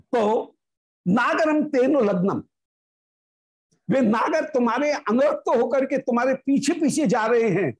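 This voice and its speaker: A woman giving a devotional discourse, reciting Sanskrit verses and then explaining them slowly. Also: on the high side, animated, darkish tone, breathy edge. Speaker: spiritual discourse speaker. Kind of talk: devotional scripture commentary.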